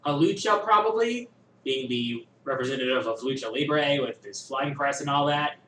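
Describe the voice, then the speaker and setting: A man hosting a viewer question show, musing and thinking aloud with many pauses in casual chat. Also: mid-range voice, expressive, sharp tone, far from the mic, a little hiss or hum. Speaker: host answering viewer questions. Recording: echoey room, voice a bit off-mic, faint ambience.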